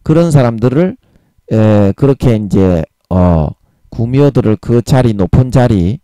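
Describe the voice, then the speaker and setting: A man preaching a Bible sermon in a blunt, emphatic way, using coarse everyday words and drawing out key phrases slowly. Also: medium pitch, warm tone, dry recording. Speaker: evangelist preaching.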